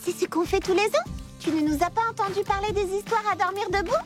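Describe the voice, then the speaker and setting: A woman's voice: very high voice, fast. A woman voicing a playful, teasing cartoon girl in a French dub. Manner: teasing, excitable. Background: light cartoon music.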